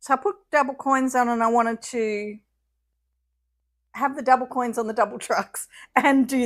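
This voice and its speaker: A high-pitched woman with an Australian accent at a moderate pace, with long, frequent pauses, fairly even intonation and big swings in loudness, on a very clean recording with a silent background. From Australia, NSW coast north of Sydney. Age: 50s. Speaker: gaming live streamer. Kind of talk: casual chat. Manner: chatty.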